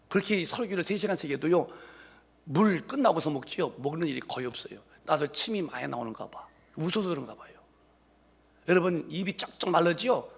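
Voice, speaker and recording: Man, fifties, pastor, humorous sermon, high voice, gravelly, husky, rhetorical questions. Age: 50s. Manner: animated, joking, rhetorical questions to the congregation. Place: church sanctuary.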